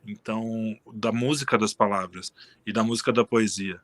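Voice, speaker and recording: Bright-voiced man chatting casually. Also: on the low side, moderate pace, no room sound. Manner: relaxed, rambling, frequent restarts and fillers. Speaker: interview guest. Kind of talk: casual conversation.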